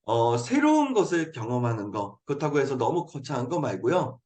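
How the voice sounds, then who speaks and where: A man giving an earnest motivational talk to a video-call group, coaxing listeners and often saying a quick affirming "yes" between points. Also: mid-range voice, big pitch swings, darkish tone. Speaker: motivational speaker hosting a habit program. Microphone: video call mic.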